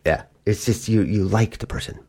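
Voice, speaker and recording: A man's voice: fairly low pitch, moderate pace, a little mellow, husky. A man hosting a podcast that teaches English, explaining words patiently in a casual way and acting out little example quotes. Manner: gives examples in playful put-on quotes.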